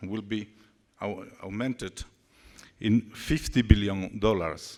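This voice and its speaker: A man with a non-native accent speaks at a very slow pace. His pitch varies in an ordinary way. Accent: non-native English speaker. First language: Spanish. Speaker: company CEO, engineer. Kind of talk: conference panel talk. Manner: halting.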